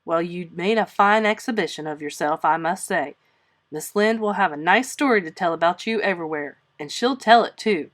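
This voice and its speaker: A woman's voice: fairly low pitch, normal speed, natural voice. This is an elderly spinster guardian voiced by a woman from a storybook. She is stern and dry. She scolds firmly, in clipped phrases that allow no argument. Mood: severe.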